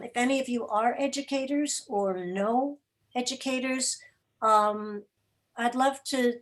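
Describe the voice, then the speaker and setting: A woman speaking as a guest producer on a video call, explaining her work in a thoughtful, halting, conversational way. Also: on the high side, rough recording. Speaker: guest, producer of an audio theater program. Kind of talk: conversational explanation in an online group meeting.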